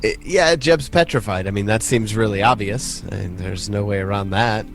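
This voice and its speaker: A man with a fairly low voice acts as game master. He improvises scene descriptions in a conversational, hesitant way, piecing them together as he goes, while music plays clearly behind him. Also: normal speed. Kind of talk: improvised tabletop game narration.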